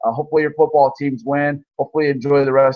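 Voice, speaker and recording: A man's voice with a fairly high pitch. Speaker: online marketing trainer. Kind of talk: webinar training wrap-up. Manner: fast.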